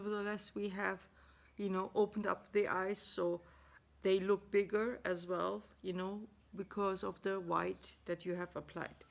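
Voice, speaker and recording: A woman with a non-native accent, medium pitch, fairly slow pace and monotone, flat intonation. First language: not English. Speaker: makeup youtuber. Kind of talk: tutorial. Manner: halting, many filler words.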